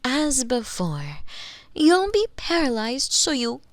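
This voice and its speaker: A woman's voice: high-pitched, wildly swooping pitch, slow pace, no echo, pitched above the performer's own voice, heavily acted. A woman voicing a gloating, coldly sadistic female mad scientist in an ASMR roleplay, savoring her words close to a binaural microphone. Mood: coolly menacing. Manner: theatrical, savoring, gloating, lapsing into whispers and giggles. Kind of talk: ASMR roleplay, theatrical monologue to the listener.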